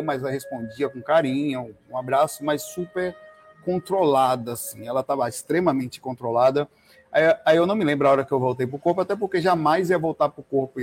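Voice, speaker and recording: A middle-aged man with a husky, slightly raised voice recounts a personal experience in a loose, chatty way. He talks animatedly and emotionally, piling on fillers as he goes. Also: on the high side. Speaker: vlogger sharing a spiritual experience. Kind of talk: casual personal storytelling.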